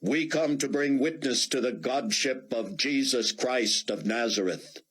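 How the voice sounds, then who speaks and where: A man's voice: mid-range voice, measured pace, a bit bright, slightly rough, voice pushed up. A man voicing a stern street preacher, declaiming in a commanding tone. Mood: proclaiming. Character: stern male street preacher, booming and prophetic.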